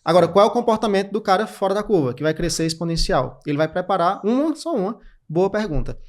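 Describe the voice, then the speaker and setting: A Brazilian man in his thirties, a podcast guest, explaining career habits in quick, clipped lists with lots of energy. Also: sits high, expressive. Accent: Brazilian Portuguese. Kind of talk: didactic interview talk.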